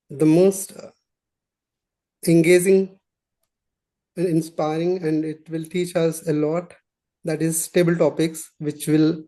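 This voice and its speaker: A man emceeing an online club meeting who speaks hesitantly, with many pauses, over a video call. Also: on the high side, mellow, poor audio. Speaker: toastmaster of the day.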